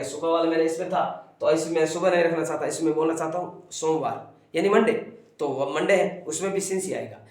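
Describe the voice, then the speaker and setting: A man teaching an English grammar lesson, repeating key phrases and drilling pronunciation. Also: high voice. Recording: echoey room, from a distance.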